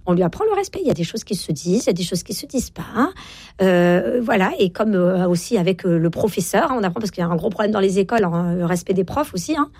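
A woman's voice: mid-range voice, expressive, darkish tone, breathy edge, no echo. A woman in her forties, an author on parenting, talking in an interview, emphatic and full of fillers. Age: 40s. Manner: fast, emphatic, many fillers and repeated agreements. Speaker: author and child psychologist, guest. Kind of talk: interview conversation.

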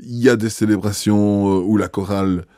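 Male bishop, interviewed; mellow, low tone, hesitant and measured delivery. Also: steady tone, no echo, studio quality. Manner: thoughtful, hesitant, frequent filler pauses. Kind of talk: interview answers.

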